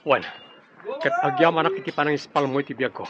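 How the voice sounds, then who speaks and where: An actor playing a brave, vigilant young tribal warrior, the chief's son, in an Ilocano-accented radio drama. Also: male voice, fairly high pitch, fast talker, a bit bright, lo-fi sound, slight background noise, natural voice. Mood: grateful. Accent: Filipino, Ilocano.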